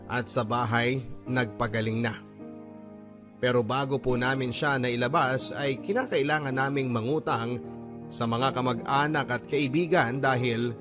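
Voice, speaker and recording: A Filipino man narrates a personal story for a radio programme in an earnest manner. His voice is mid-pitched, with clearly audible music running beneath it. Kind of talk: first-person dramatised letter narration.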